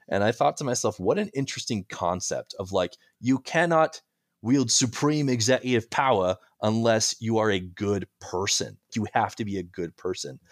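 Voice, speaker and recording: In an ordinary speaking voice, a man talks at a medium pitch and a moderate pace with lively intonation. The recording is very clean, with a silent background and a dry, close sound with no echo. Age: 30s. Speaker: author. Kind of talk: casual chat.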